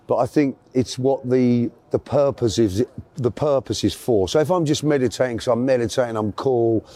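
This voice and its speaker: A man's voice: mid-range voice, normal speed, mellow. A middle-aged man with a South London accent, chatting casually as an interview guest and telling stories in an effusive, affectionate way, repeating phrases for emphasis. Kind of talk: casual anecdotal chat.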